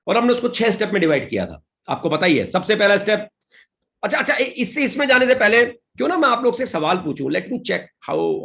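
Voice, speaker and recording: High-voiced man giving a sales training. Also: a bit bright. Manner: switches between Hindi and English, reads out participants' answers with quick praise. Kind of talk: online training session.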